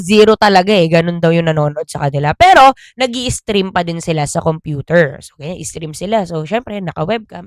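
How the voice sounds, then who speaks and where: A woman vlogger telling a gossip story in a casual, animated way, speaking directly to her listeners. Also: medium pitch, no room sound, clean studio sound.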